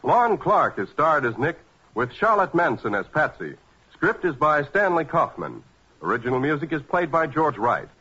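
A man's voice: a little high, very animated, moderate pace, bright, forceful tone, husky. A man with an American accent announcing on 1940s radio in a polished, formal, declamatory way. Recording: muffled 1940s radio recording with music.

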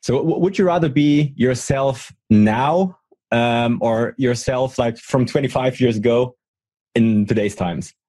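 A man's voice: medium pitch, measured pace, mellow, dry recording. A man hosting an interview, asking questions hesitantly with many fillers. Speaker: interviewer, host.

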